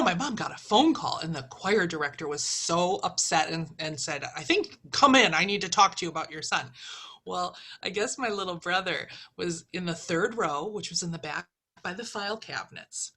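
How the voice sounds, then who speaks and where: A middle-aged woman co-hosting a casual stitching chat, an animated storyteller who laughs often. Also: fairly low pitch, moderate pace. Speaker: flosstube co-host.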